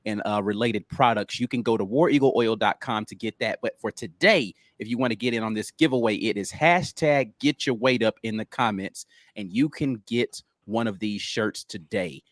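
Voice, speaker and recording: A man's voice: lowish voice, moderate pace, hardly any pauses, dry recording, studio quality. A man co-hosting a sports podcast, talking laid-back and loose with plenty of ums and slang. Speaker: podcast co-host, film analyst. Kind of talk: casual sports talk.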